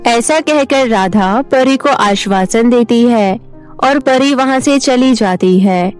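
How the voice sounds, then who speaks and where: A woman narrating an animated children's story in a calm storytelling way. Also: on the high side, slow pace, faint music behind.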